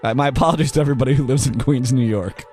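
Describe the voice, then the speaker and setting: Quick, sarcastic male radio host. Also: mid-range voice, a little mellow, soft background music. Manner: sarcastic, pushy questioning. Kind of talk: comic radio banter.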